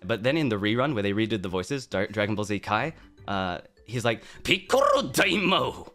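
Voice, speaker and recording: Speaking a bit quickly in a lowish, fairly bright voice, this English-speaking man streams a relaxed, playful chat about his interests. He kicks off with a mock-tough attitude and wanders into asides, dropping plenty of fillers along the way.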